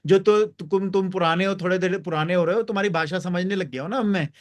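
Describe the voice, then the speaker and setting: A man hosting a live reflection session, stressing key phrases slowly and inviting listeners to share. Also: sits high. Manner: warm, encouraging invitations to share. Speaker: host and reflection guide. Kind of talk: reflective talk to a live group.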